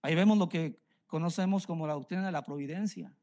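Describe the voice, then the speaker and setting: Speaking quickly in a mellow, slightly high voice, a middle-aged Mexican pastor delivers an earnest sermon. His Mexican Spanish accent comes through, and he repeats phrases to drive his points home.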